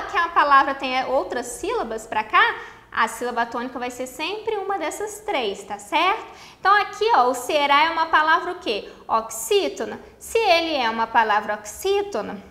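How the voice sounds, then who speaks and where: Brazilian lady teacher, high bright voice, quizzes the class then answers herself, echoey room. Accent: Brazilian Portuguese. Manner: explains step by step, asks the class questions and answers them; stretches out key words slowly. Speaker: Portuguese teacher. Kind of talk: exam-prep grammar lesson.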